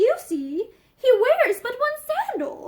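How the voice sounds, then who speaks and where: A woman speaks in a put-on character voice, pitched extremely high. Her pitch swings very widely at a fairly slow pace. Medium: read story.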